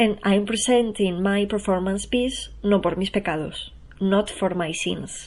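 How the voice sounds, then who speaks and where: A woman speaks at a very slow pace in a Spanish accent. The background is quiet. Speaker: poet and performance artist, newsletter podcaster. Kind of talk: reading aloud own newsletter.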